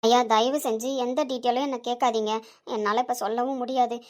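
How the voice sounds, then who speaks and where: Woman as a young woman pleading for help, high and fast, audio drama. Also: steady tone, darkish tone, close to an everyday voice. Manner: pleading, urgent. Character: desperate young woman needing money for her father.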